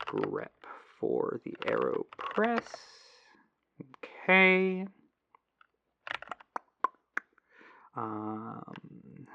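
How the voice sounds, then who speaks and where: A man playing a patient, earnest tech-support agent in a gentle, reassuring ASMR phone roleplay, through a lo-fi telephone filter. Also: medium pitch, creaky, slight background noise, heavily acted. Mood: focused musing. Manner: gentle, reassuring, apologetic, musing to himself. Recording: lo-fi muffled telephone sound.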